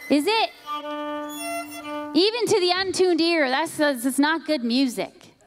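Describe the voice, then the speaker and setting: A woman in her forties preaching a sermon on a church stage into a handheld mic, emphatic, often dropping to hushed lines. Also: sits high, animated, unhurried, faint music behind. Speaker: pastor. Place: church stage, large hall.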